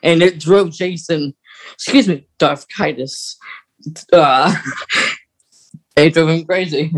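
A man with a somewhat high-pitched voice co-hosts a fan podcast. He talks casually and tends to hesitate, backing up to begin a thought again. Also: takes it slowly. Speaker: podcast co-host.

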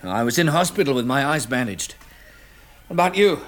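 An actor playing a level-headed, kindly man with an English accent in a 1960s radio drama, brisk, articulate and reassuring. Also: medium pitch, animated, fairly bright tone, natural voice. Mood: calm, kindly. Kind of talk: 1960s British radio drama acting and narration. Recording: old radio recording, faint noise.

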